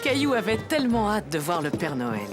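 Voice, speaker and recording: A woman narrating a children's cartoon as a gentle storyteller, reading scripted lines in a storybook manner. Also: medium pitch, sing-song, a little fast, music in the background, close to an everyday voice. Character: gentle storyteller narrating a little boy's adventures.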